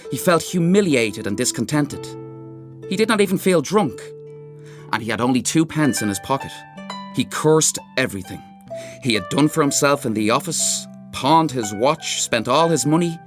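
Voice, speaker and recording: Lively male literary narrator over music. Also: medium pitch, normal speed. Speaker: audiobook narrator. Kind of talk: expressive scripted literary narration.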